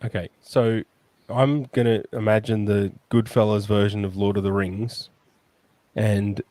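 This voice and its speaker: A man co-hosting a comedy podcast with dry teasing and hesitant restarts. His voice is low. The recording is dry and close. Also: little pitch movement, unhurried, warm tone, no room sound. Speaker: podcast co-host. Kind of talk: casual comedy chat.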